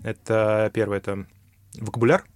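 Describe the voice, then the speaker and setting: A man's voice: fairly low pitch, flat delivery, normal speed, no echo. A man who teaches English explains how to learn languages in a casual conversation, with many fillers and restarts.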